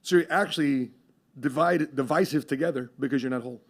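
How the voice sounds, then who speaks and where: A man hosting a podcast in casual chat, rambling with many fillers and quick laughs. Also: mid-range voice, creaky. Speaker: podcast host.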